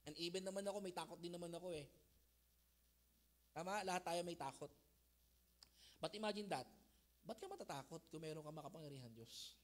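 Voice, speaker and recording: A male pastor preaching a sermon, swinging between loud emphasis and hushed intensity, often checking that listeners follow. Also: on the high side, fairly quick, long pauses. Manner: mixes Tagalog and English phrases.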